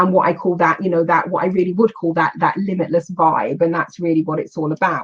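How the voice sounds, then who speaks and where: Music plays in the background as a woman talks at a very fast pace. Her intonation is monotone and flat. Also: fairly low pitch for a woman, hardly any pauses. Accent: British. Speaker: learning coach. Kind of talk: webinar presentation. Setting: webinar.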